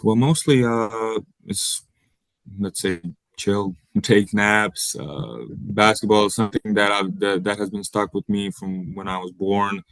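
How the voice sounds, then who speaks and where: Young bosnian guy, english isn't his first language, stumbles and repeats a lot, flat delivery, dry close sound. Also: fairly low pitch, dry recording, poor audio. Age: young adult. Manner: halting, repeats words often while searching. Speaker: college basketball player, guest. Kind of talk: interview answers.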